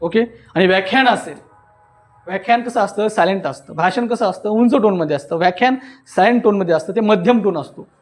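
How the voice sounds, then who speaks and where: A man's voice: sits high, quick pace, soft background music. A man with a Marathi accent teaching an interactive public speaking workshop, demonstrating and often checking understanding with questions.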